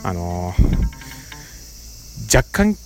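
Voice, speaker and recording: A middle-aged man casually telling a story as a podcast host, animated, with playful sound effects and rough casual phrasing. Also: deep voice, very slow, music in the background.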